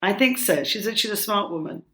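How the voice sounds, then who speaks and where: A woman's voice: mid-range voice, lively intonation, brisk, pushed and bright. A British-raised woman in her sixties, a cookbook author talking from home over a call, hesitant with many ums and restarts. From United Kingdom. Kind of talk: relaxed conversational interview. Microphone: remote call from home.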